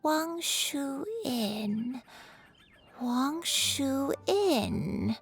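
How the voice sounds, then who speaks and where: Slow, wistful old granny. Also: female voice, high voice, lively intonation, faint music behind, exaggerated voice. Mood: dazed. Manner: slow, halting reminiscing. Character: wistful, forgetful gentle elderly grandmother. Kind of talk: video game character acting.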